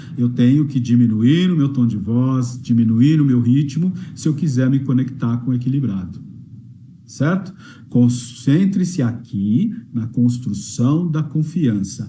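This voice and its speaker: Audible room echo surrounds this man's voice. He talks at a fairly slow pace. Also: medium pitch for a man, ordinary pitch variation. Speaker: sales trainer. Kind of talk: webinar lecture. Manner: loud.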